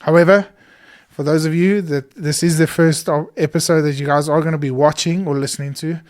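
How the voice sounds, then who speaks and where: A South African podcast host works through a solo episode in a small studio, his hoarse voice a touch high for a man yet darkish in tone. He talks briskly with fairly even intonation, earnest and keen, and uses plenty of fillers.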